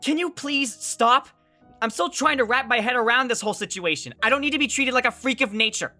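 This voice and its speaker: An actress playing a bewildered, exasperated kid, telling the story in dramatic first person in an audio drama. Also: female voice, a little high, expressive, fairly quick, pushed and bright, soft background music. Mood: exasperated, alarmed. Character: bewildered, exasperated young kid narrating an apocalypse ordeal.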